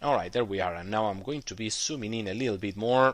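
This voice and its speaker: Here a man speaks at a fairly low pitch and a fairly quick pace, with ordinary pitch variation. The recording is very clean, with a silent background. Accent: non-native. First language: not English. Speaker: trading educator. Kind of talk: tutorial. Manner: hesitant, many fillers.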